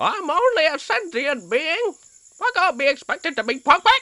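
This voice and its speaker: A high, put-on character voice at a moderate pace, with very wide pitch swings. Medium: audio drama.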